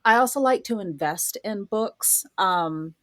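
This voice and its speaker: A woman's voice: mid-range voice, lively intonation, a little slow, a bit bright. Female writer as podcast guest, mid-range voice, casual and explanatory interview delivery.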